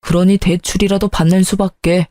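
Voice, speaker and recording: A woman's voice: on the low side, level tone, moderate pace, warm tone, no echo, clean studio sound, close to an everyday voice. A woman voicing a defensive, self-justifying young husband in a story reading, brusque and dismissive. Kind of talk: storybook narration.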